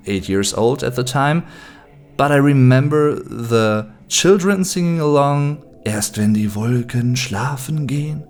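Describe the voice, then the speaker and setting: Talking casually to camera, a YouTube host from Germany in his late twenties blends German words into his English. He is a native German speaker with a German accent and a medium-pitched voice.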